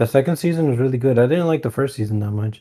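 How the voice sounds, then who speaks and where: A dark, mellow, somewhat breathy voice with ordinary pitch variation, on a very clean recording with a silent background. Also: man. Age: 20s. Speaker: podcast host. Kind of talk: casual chat.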